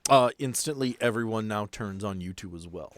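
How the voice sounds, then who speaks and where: A man's voice: fairly low pitch, moderate pace, no echo. A man narrating a tabletop roleplaying game and explaining rules as game master.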